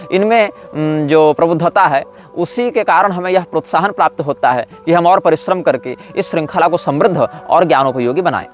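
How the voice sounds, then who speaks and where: A man, a spiritual teacher giving a formal, explanatory religious discourse with emphatic rising stresses. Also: on the high side.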